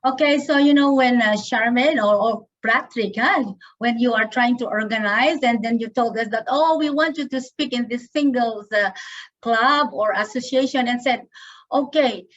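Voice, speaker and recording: Hoarse lady, high voice, keeps asking "okay?", muffled call audio. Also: moderate pace. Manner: lively, checks in with listeners. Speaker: guest speaker, wife. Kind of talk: talk to a church youth group. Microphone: video call.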